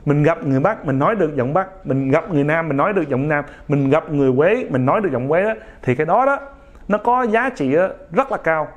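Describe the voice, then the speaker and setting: A man giving a casual motivational talk to young viewers. He speaks haltingly, with many fillers, an imperfect accent, and a frequent "ok?". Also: on the high side, animated, lo-fi sound.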